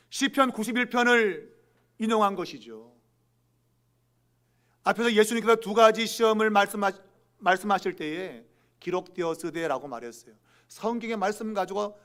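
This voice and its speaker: A man with a Seoul Korean accent preaches a Sunday sermon in a church. His voice sits high. He hammers single words for emphasis and slips into quoted voices. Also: a bit bright. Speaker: pastor. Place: church sanctuary.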